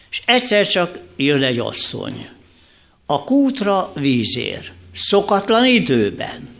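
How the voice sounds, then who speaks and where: A man with a high pitch speaks at a very slow pace, his voice making very wide pitch swings. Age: 80s+. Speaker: retired pastor. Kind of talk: sermon. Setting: church.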